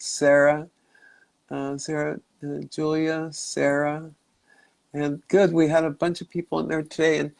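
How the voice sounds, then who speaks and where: A man hosting a live stream in casual chat, congested from a cold, rambling and halting as he searches for words. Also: a little high, dry recording. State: stuffy nose and cough from a cold. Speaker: livestream host. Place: his home in Mexico.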